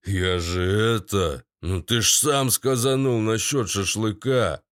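A man's voice: lowish voice, takes it slowly, a bit bright. A man voicing a coarse, dim-witted hulking henchman who talks in slang.

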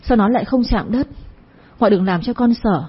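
A woman's voice: fairly high pitch, moderate pace, breathy edge, highs cut off. A woman voicing a grief-stricken young village woman who pleads and talks through her distress. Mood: tearful.

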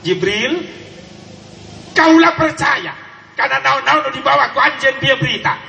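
A man with a Sundanese accent voicing a tender, grieving prophet in a drawn-out pleading way, in an echoey hall. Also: very high-pitched, vocal fry, bright, forceful tone, voice pushed up, heavily acted. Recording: echoey hall with faint noise.

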